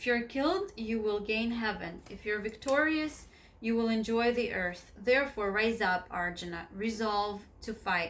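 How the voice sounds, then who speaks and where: The speech is fairly slow with hardly any pauses, ordinary pitch variation and a non-native accent. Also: woman, fairly high pitch for a woman. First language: not English. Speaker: spiritual book reader, health practitioner. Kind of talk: reading aloud; casual aside. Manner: halting, stumbles over words.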